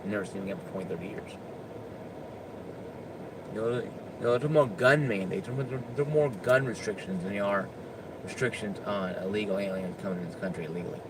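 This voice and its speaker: A political commentator launches into an unscripted, emphatic opinion rant, often stammering through restarts. His voice is lowish and fairly quick, with background noise.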